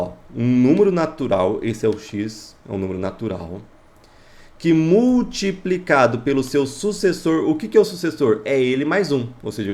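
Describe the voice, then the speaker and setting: A man's voice: medium pitch, darkish tone. A man with a Brazilian accent teaching math, explaining exercises step by step, posing questions and answering them himself, checking that listeners follow. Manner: didactic, asks himself questions then answers, checks understanding.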